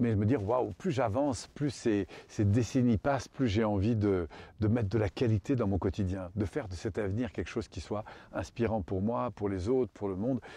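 The man's voice is fairly low in pitch, with a dark, mellow tone and ordinary pitch variation. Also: moderate pace, quiet background. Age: 50s. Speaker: life coach. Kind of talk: motivational video monologue. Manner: halting, with many repetitions and fillers.

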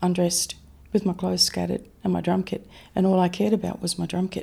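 A woman talks with an Australian accent. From Queensland, Australia (Mount Isa). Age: 60s. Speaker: author and drummer sharing life story. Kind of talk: testimony. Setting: studio.

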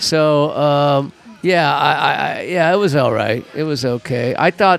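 Over noticeable background noise, a man with a fairly high pitch and ordinary pitch variation speaks at a fairly slow pace. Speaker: podcast co-host. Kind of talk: casual chat.

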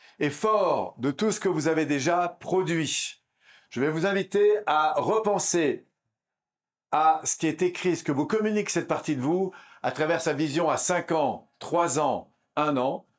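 In a very clean recording with a silent background, a man with a high pitch speaks at a very slow pace. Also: ordinary pitch variation, very even loudness. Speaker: NLP trainer. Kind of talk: guided visualization.

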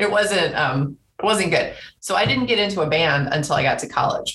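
A woman talks with an American accent and ordinary pitch variation. Background noise is noticeable. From New York City (Manhattan, Hell's Kitchen). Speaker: music industry executive. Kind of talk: interview. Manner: casual, with fillers.

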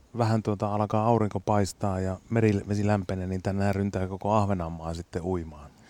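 A man with a fairly low pitch and a dark, mellow tone speaks at a moderate pace with fairly even intonation. The recording is very clean with a silent background, and the sound is dry and close with no echo. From northern Finland, Kemi area. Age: 50s. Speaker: campsite owner. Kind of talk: interview. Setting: outdoors at a campsite.

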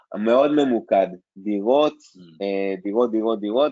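Using a normal speaking voice, a man speaks at a moderate pace and a medium pitch. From Israel, Jaffa. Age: 30s. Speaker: real estate agency owner. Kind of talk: interview.

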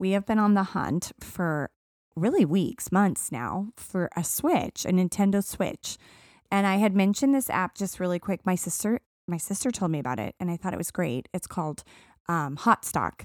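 In a dry, close sound with no echo and a very clean recording with a silent background, a woman with an ordinary speaking voice talks at a moderate pace in a medium pitch. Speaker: podcast co-host. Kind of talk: casual chat.

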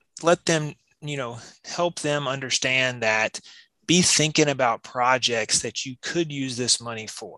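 A man with a Southern US accent, bright and sharp in tone, dry and close with no echo, over a quiet background. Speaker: pipeline industry guest.

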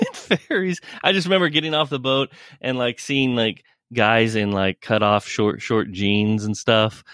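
In an American accent, a man with a normal speaking voice talks at a moderate pace, his medium pitch carried by lively intonation. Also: dry, close sound with no echo. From United States. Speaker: podcast co-host. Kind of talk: casual chat.

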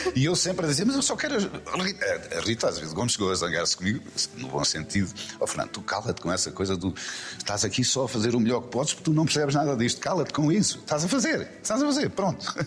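Very fast speech over music in the background. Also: man. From Portugal, Ribatejo. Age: 60s. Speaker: actor. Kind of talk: interview. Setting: outdoors.

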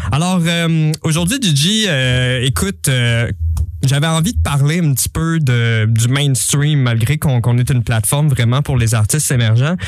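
Speaking in a Quebec accent, a man with a medium-pitched voice talks at a fairly slow pace, his intonation lively and his loudness very even. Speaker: radio host, rapper. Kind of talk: casual chat.

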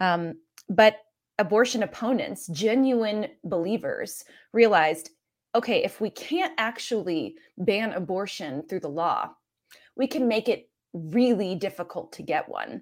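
A woman with a fairly high pitch speaks at a fairly slow pace with lively intonation in a normal speaking voice, recorded very cleanly against a silent background. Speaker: author and former clinic escort. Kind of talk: interview.

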